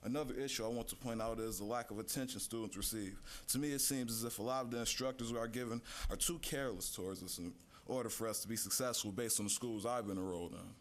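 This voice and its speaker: A teenage boy, a high school senior, giving a measured prepared speech as a student speaker. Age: teens. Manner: measured, reads list items slowly. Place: city hall chamber.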